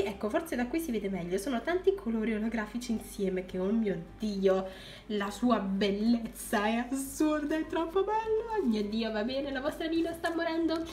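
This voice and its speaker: Young woman, crafts vlogger, gushing and exclamatory; highish voice, echoey room. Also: a little mellow. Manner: gushing, keeps exclaiming in delight. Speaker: crafts vlogger unboxing supplies. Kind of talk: excited unboxing vlog.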